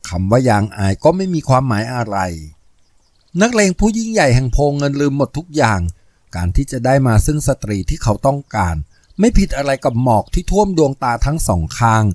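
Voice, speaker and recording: A man reading a novel aloud in steady, measured scripted narration. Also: mid-range voice, dry recording. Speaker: audiobook narrator.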